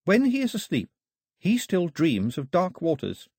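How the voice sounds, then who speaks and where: A soft, urgent spirit voice that seems to float in the air, pleading and questioning, as a male narrator puts it on. It sits well above his usual pitch and keeps a slightly husky edge. The sound is dry and close. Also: huge pitch swings, measured pace, dry recording, exaggerated voice. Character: disembodied female voice in the air, gentle and urgent.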